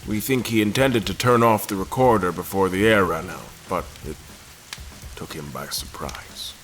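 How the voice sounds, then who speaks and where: A low male voice plays a world-weary admiral in an audio drama. He recounts a haunting ordeal with formal, measured courtesy over faint music. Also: fairly bright tone. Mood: somber. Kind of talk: first-person audio drama narration with dialogue.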